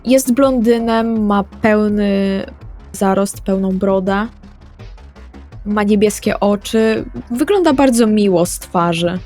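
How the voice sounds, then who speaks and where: Mellow-voiced woman roleplayer. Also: medium pitch, takes it slowly, soft background music. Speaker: tabletop roleplay player. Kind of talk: casual descriptive talk.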